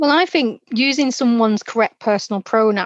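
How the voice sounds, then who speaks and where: At a moderate pace, a plain, everyday voice comes through with a dry, close sound and no echo. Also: woman. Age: 30s. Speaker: sales engineer. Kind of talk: interview.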